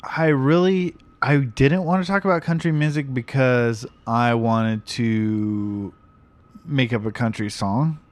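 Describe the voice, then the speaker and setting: A man's voice: medium pitch, slow pace. A man co-hosting a casual podcast in a garage, playful and joking about accents. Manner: playful, riffs on accents and voices. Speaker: podcast co-host. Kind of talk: casual chat.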